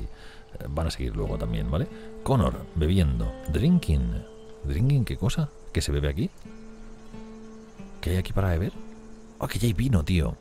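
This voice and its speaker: A man's voice: very deep voice, mellow. A man, casually commentating his game and talking to his characters as he plays. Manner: chatty, talks to his characters. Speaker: gameplay youtuber.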